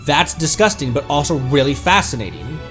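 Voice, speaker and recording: A man's voice: a little high, big pitch swings, a little fast, fairly bright tone. Male streamer reading game text over music. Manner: stumbles over words, repeats and self-corrects. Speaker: livestream host, VTuber. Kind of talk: reading game text aloud with casual reactions.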